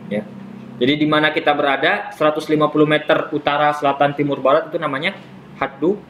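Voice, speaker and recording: A man's voice: fairly high pitch, a little hiss or hum, poor audio. A man teaching a casual classroom lesson on Islamic jurisprudence. He explains step by step, repeats his terms and teases his students.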